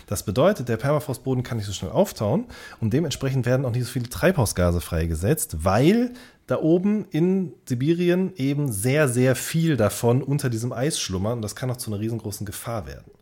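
A male podcast co-host with a slightly rough, husky voice at a medium pitch. His intonation moves around a lot as he chats off the cuff, feeling his way through explanations and rewording as he goes. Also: animated, a little fast, mellow. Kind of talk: casual unscripted podcast chat.

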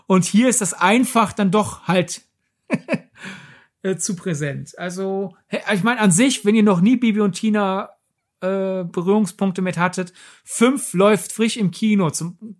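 A man co-hosting a podcast, talking casually about films in long, winding sentences. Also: high voice. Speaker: podcast co-host. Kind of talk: casual film discussion.

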